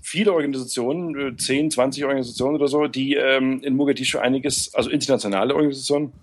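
Aid worker, male, mid-pitched, halting interview answers full of ums. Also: steady tone, slightly rough. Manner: hesitant, many fillers and restarts. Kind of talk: casual interview.

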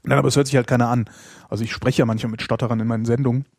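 A man's voice: medium pitch, flat delivery, very fast, a little mellow, no echo. A man casually chatting as a host answering listener questions, in a dry, informal manner. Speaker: podcast and radio host.

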